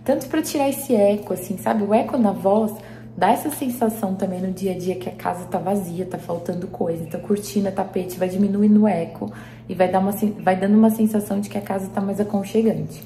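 Brazilian woman vlogger, chatty with viewers, echoey empty living room with faint room hiss, mid-pitched voice. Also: fairly even intonation, fairly quick, dark tone. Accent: Brazilian Portuguese. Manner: chatty, keeps addressing viewers as friends. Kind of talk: casual vlog chat to viewers. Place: large living room with bare glass doors, indoors.

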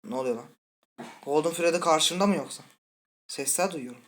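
Talking directly to his audience, a man narrates his let's-play of a horror game, nervous and frightened and swearing under his breath. He runs a gaming channel and speaks at a moderate pace in a fairly high voice.

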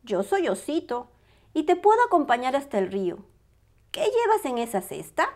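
A woman's voice: high voice, big pitch swings, normal speed, a little mellow. A woman voicing an eager, polite little boy bear cub from a storybook, childlike and earnest.

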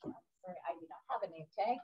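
A woman's voice: on the low side, lively intonation, quick pace, husky. A woman giving a brief, businesslike introduction at a meeting. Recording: dull, distant room pickup.

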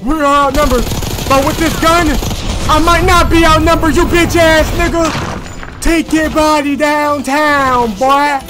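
A young man streaming a shooter game on a headset, loud, excitable and profane in his commentary. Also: very high-pitched, a little slow, over music. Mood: excited. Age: young adult. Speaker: gaming streamer. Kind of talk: casual gameplay commentary.

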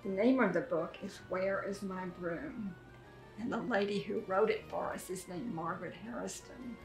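An elderly woman reading aloud to young children as a preschool teacher, with simple, deliberate phrasing. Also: mid-range voice. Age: 70s or older. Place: furnished sitting room indoors. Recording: echoey room, music behind.

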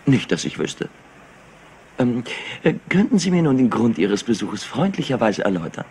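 An actor playing an evasive, high-strung young business heir in a German crime radio play, smooth-talking and impatient. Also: male voice, sing-song, normal speed, darkish tone. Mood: impatient, dismissive. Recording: noisy retro radio play.

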